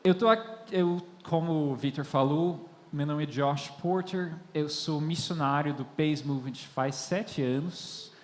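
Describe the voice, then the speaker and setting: A high-voiced young man preaches a little slowly, sharing stories in a sermon to a congregation in a large, echoing church hall with long reverb. He is a missionary and guest preacher who was born and raised in France to Irish parents and is not native in Portuguese.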